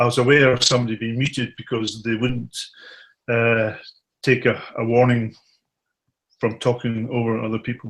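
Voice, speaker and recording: With a Scottish accent, a man mumbles at a medium pitch in a monotone, flat delivery broken by long, frequent pauses. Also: moderate pace. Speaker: guest on live stream. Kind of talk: casual discussion. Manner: mumbling.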